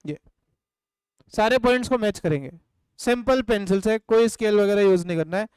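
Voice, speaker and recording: A man's voice: high voice, moderate pace, darkish tone, clear, resonant tone, no echo. A man teaching an economics class, drilling his students with question-and-answer prompts. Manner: drills points with call-and-response. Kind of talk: live class lecture. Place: classroom or home studio.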